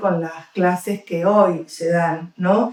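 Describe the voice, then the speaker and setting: A woman's medium-pitched voice, very slow and flat in monotone. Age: 70s. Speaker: retired literature professor. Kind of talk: interview testimony. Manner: hesitant with frequent fillers.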